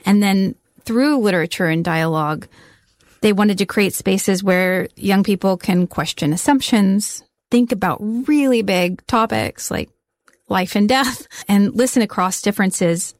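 A woman hosts the show and sets up the segment, calm and explanatory in tone. Her sound is dry and close, with no room around it. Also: medium pitch, a little slow, no room sound. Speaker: radio show host. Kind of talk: show introduction.

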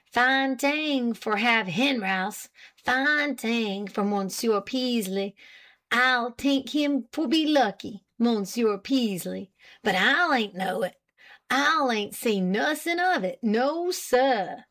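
Woman playing an excitable man. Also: a little high, takes it slowly. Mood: sly innocence. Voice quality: broken dialect English, protesting and wheedling. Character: excitable French-Canadian man, sly and indignant witness.

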